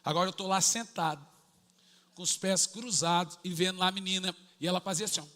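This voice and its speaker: A middle-aged man, preaching a sermon full of personal stories, acting out family dialogue and breaking into sudden shouts. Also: high voice, a little fast, big-room sound. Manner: animated, acts out family dialogue, bursts into shouts. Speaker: pastor.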